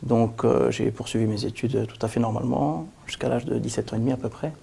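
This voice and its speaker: A man in his thirties from Ethiopia, a butcher shop founder, telling his career in a measured way with frequent fillers. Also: mid-range voice, fairly even intonation, creaky, mellow, breathy edge. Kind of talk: interview answers.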